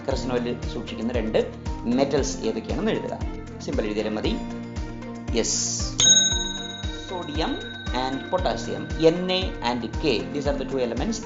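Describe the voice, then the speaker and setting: Male quiz teacher, lively pitch, repeats questions, roomy and slightly dull recording, faint music. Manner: repeats each question, switches between languages, coaxing pauses. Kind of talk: quiz lesson, asking and answering questions.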